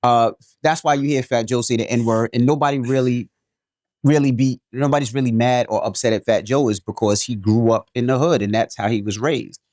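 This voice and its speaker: A man from New York City co-hosting a podcast, reading a listener's email aloud and then giving his take in a joking, animated way. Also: medium pitch, brisk, no room sound, studio quality. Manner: animated, jokey, repeats himself. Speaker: podcast co-host.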